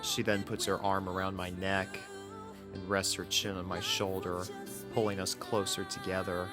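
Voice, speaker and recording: A man's voice: sits low, flat delivery, moderate pace, music in the background. A man reading a first-person story as scripted narration, in an earnest, sentimental manner. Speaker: fan fiction reader.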